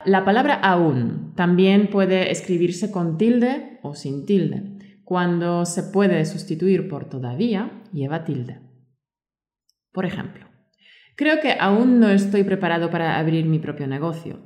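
A woman co-hosting a scripted teaching podcast. She reads example sentences in a clear, friendly teaching tone. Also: on the low side, animated, a little slow, darkish tone. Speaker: podcast co-host and Spanish teacher. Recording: roomy echo.

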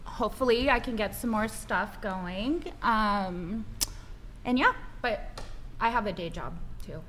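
A woman's voice: medium pitch, a little slow, fairly bright tone, slight background noise. A woman in her thirties, a guest on a dating podcast, hesitant with many ums. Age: 30s. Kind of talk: casual panel chat.

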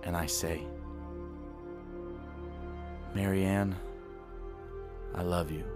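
An actor playing an earnest, lovestruck small-town sheriff's deputy in an audio drama, halting and correcting himself as he confesses. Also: low voice, steady tone, over music. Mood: tender, lovestruck. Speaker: podcast fiction actor.

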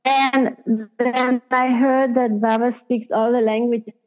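An older woman, a spiritual teacher recounting personal memories in an interview, unhurried and full of soft laughs and "you know" fillers. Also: fairly high pitch, flat delivery. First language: Hungarian. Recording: tinny phone-like audio.

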